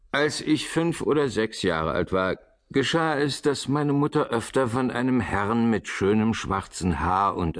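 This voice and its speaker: A man narrating a radio drama in the first person, looking back on his childhood in a measured, reflective way. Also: sits low.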